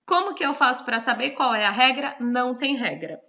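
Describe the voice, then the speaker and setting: A woman's voice: sits high, lively intonation, a little fast, sharp tone, dull audio. A woman teacher with a Brazilian Portuguese accent, explaining grammar rules in an online lesson and checking in with frequent tag questions.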